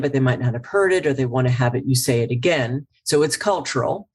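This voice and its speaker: A woman's voice: low voice, husky. A woman guest and author speaking with passion in a casual interview, acting out example phrases as she coaches on what to say. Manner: emphatic, acts out example phrases.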